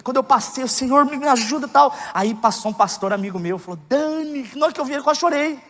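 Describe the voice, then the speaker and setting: Brief: male preacher, thirties, high-pitched voice, joking candid delivery, church hall with long reverb. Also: expressive, quick pace. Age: 30s. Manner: candid, joking, rising to loud emphatic outbursts. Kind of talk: sermon.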